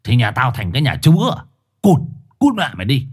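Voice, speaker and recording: A man voicing a bossy, gruff black four-eyed street dog with a hoarse, raspy voice. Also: mid-range voice, wildly swooping pitch, fairly quick. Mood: hostile. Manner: growling, rough, condescending.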